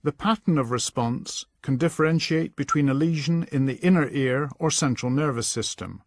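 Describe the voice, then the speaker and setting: A man with a slightly high voice narrates a scripted lesson. He gives instructions in a measured way, recorded close and dry with no room sound. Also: dry recording.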